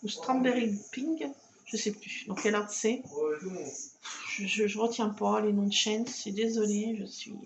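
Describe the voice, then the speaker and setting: A woman's voice: medium pitch, steady tone, measured pace, a crowd in the background, poor audio. A woman chatting casually to camera while she works on a craft project at her table, talking to herself as she goes. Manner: chatty, self-talking, fussing over her cat. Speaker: scrapbooking video host. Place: home craft table at night.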